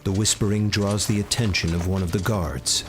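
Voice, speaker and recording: A man reading a tabletop game's story text aloud as narrator, steady and measured. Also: sits low, slight background noise. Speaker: game narrator.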